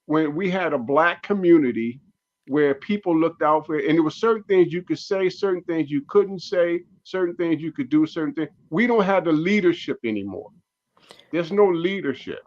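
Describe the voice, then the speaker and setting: A man's voice: a little high, expressive, normal speed, darkish tone, lo-fi sound. A man in his sixties, a comedian guest on a talk show, speaking emphatically and repeating his points. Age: 60s. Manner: emphatic, preachy, repeats phrases. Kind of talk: casual radio talk show discussion.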